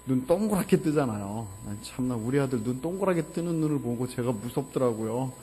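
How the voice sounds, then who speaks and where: Korean pastor in an emotional sermon. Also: male voice, expressive, brisk, a little hiss or hum. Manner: emotional storytelling, mostly low and hushed, rising to loud fervor. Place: church sanctuary.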